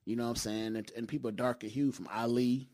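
A middle-pitched man from Detroit with an African American accent, in casual conversation. He talks emphatically, repeats phrases for weight and keeps checking that he is being followed. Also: fairly even intonation, fast, a little mellow. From Detroit, United States. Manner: emphatic and repetitive, with frequent checking tags.

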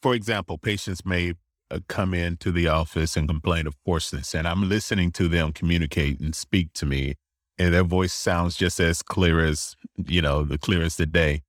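A man with a very low, deep voice talks through his clinical work at a steady, explanatory pace. He now and then slips into quoting his patients. The sound is dry and close, with no room around it. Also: no room sound. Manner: measured, explanatory, acts out patient quotes. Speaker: voice specialist clinician. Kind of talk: interview answers, explanatory.

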